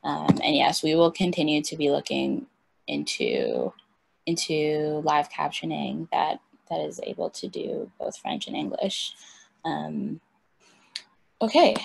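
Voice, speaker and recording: A woman moderating an online panel over a video call, halting, with many ums and likes. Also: fairly low pitch, creaky.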